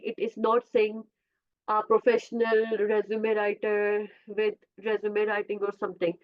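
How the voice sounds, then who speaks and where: A woman whose first language is Urdu talks through career tips on a webinar. Her voice sits in a middle register, and she keeps correcting herself with small uh sounds. The audio is narrow and phone-like. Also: mid-range voice. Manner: repeats and self-corrects, frequent uh fillers. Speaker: career coach presenting a webinar. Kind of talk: informal presentation with slides. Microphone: video call. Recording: tinny phone-like video call audio.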